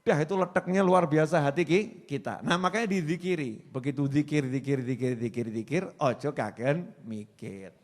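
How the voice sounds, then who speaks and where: Javanese preacher in his forties, high voice, joking sermon style, acts out quotes. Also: normal speed, hardly any pauses, darkish tone. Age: 40s. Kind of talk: Islamic sermon.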